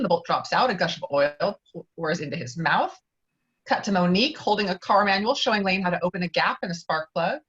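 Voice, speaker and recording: A woman's voice: lowish voice, fairly bright tone, muffled recording. A woman narrating stage directions in an amateur script table read over a video call.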